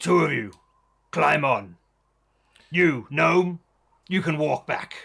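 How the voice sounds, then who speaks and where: A man's put-on character voice, raspy and gravelly, fairly high in pitch, at a fairly slow pace with long, frequent pauses. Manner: commanding.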